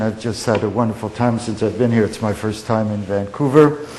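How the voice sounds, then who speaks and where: A man speaks at a medium pitch with fairly even intonation. Audible room echo and noticeable background noise surround him. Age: old. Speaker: professor. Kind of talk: lecture. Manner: halting.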